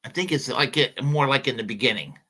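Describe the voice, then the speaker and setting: A man's voice: mid-range voice, fairly quick, sharp tone. A man co-hosting a casual livestream, hesitant and full of filler words, blunt and profane in his opinions. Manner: hesitant, lots of ums and you-knows. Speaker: podcast co-host.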